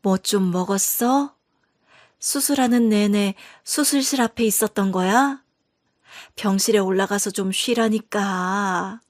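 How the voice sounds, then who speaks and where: A woman reading a scripted story, voicing a gentle older mother after surgery who talks softly and slowly. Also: medium pitch, no room sound, clean studio sound, lightly acted. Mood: caring. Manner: soft, slow and caring.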